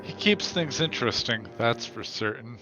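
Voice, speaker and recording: A man's voice: medium pitch, expressive, normal speed, music in the background, lightly acted. A man voicing a cool, haughty, sardonic young man with a smug, condescending manner in a game playthrough. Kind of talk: amateur voiced playthrough of a visual novel game. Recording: dull mic with faint background noise.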